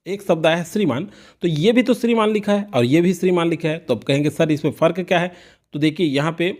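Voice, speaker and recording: A man with a slightly high voice teaches an exam-prep class. He asks questions and answers them himself, and he repeats the key words so they stick. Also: darkish tone.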